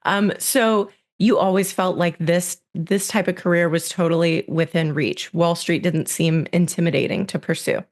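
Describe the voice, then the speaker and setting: A woman's voice: fairly low pitch, steady tone, moderate pace, few pauses. A woman hosting a business podcast, delivering an upbeat scripted intro and guest bio, then interviewing. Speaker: podcast host.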